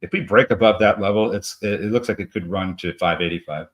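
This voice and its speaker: A man co-hosting a live trading show, talking through price targets in a halting way with many fillers and restarts. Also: sits low. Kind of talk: live market commentary.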